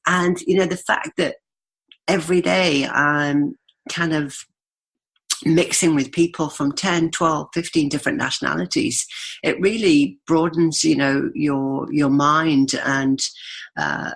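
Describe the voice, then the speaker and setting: A Yorkshire woman in her fifties is a guest on a podcast interview, chatty and full of stories, laughing often. Her voice sits low and is gravelly and slightly rough, with fairly even intonation and a measured pace.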